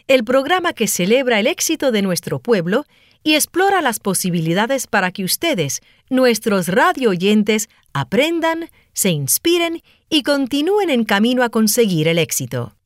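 A woman's voice: a little high, sing-song, a little slow, no room sound, studio quality. A woman playing a polite radio show host who interviews her guest in a gracious, admiring manner, in a scripted listening-exam dialogue.

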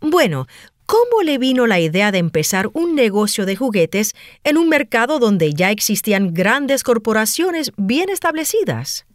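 A woman's voice: a little high, big pitch swings, a little slow, no echo, studio quality. A woman playing a polite radio show host who interviews her guest in a gracious, admiring manner, in a scripted listening-exam dialogue.

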